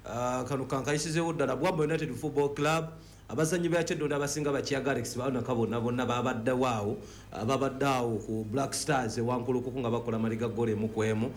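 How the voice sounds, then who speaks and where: Very fast-talking Ugandan male football pundit. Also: medium pitch, fairly even intonation, a little hiss or hum. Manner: mixes in English words and phrases. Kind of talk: sports discussion.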